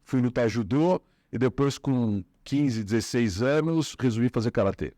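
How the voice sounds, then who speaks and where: A middle-aged man from São Paulo, Brazil, with a Paulistano accent, appears as an interview guest and wanders through his story, full of fillers and restarts. At a normal speed, his ordinary mid-pitched voice sounds relaxed and conversational. The recording is close and dry with no echo.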